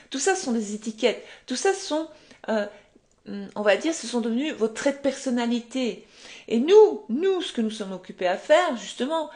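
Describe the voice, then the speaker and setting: A woman coaching viewers on a live stream from home, conversational and explanatory, acting out quotes and asking rhetorical questions. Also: fairly high pitch. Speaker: manifestation coach.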